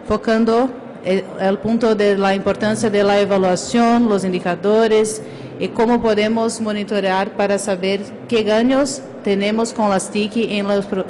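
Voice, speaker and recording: A woman with a Brazilian Portuguese accent introducing a conference speaker in careful, slow Spanish that is not her first language, restarting words often. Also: mid-range voice, a little mellow. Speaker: conference moderator. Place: conference room.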